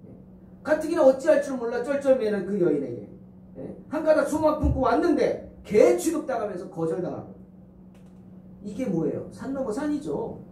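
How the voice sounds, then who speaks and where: A man's voice: very high voice, big pitch swings, normal speed, warm tone, a little hiss or hum. Fervent male pastor in an echoey church. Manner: fervent, many rhetorical questions. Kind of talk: sermon. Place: church sanctuary. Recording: echoey church hall, distant mic.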